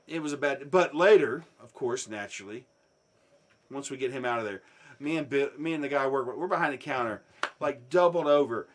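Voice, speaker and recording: A man telling a swear-filled story in a casual chat, dropping low and then bursting into loud shouts. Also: fairly quick. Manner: profane, animated, swings from hushed to shouting.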